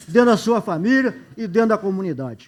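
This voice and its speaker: A man's high voice at a moderate pace, with lively intonation and a very clean recording over a silent background. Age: 60s. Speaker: former mayor. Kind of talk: political speech in council session. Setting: municipal council chamber, broadcast. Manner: emotional, direct addresses to colleagues.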